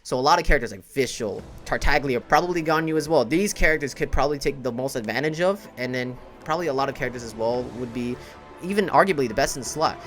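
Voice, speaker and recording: Man, casual gaming commentary, medium pitch, informal, opinionated, thinking aloud, music behind. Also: fast talker, fairly bright tone. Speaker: gaming content creator and streamer. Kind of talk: casual game update commentary. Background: background music.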